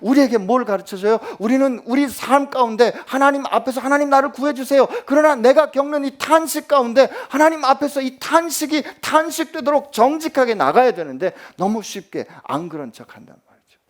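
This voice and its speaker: A male pastor delivering a sermon, moving between loud, emphatic pleading and soft near-whispers, and putting rhetorical questions to his listeners. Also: extremely high pitch, a little fast. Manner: asks the congregation rhetorical questions.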